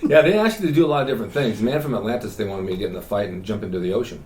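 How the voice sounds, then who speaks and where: A man with a lowish voice rattles off joking anecdotes at a fast clip as an interview guest. The room is echoey, with a faint hum of ambience underneath. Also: darkish tone. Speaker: guest, former actor and bodybuilder. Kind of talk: casual interview chat.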